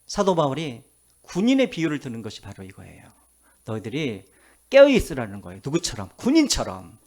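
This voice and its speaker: A male pastor preaching a Sunday sermon who keeps asking the congregation questions and answering them himself, slowing down to read scripture aloud. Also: medium pitch, huge pitch swings, a little mellow. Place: church sanctuary.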